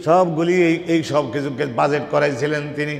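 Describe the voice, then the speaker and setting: A man with a fairly high voice talks in a flat monotone. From Bangladesh. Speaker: Islamic preacher. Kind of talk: sermon. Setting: mosque gathering. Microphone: podium.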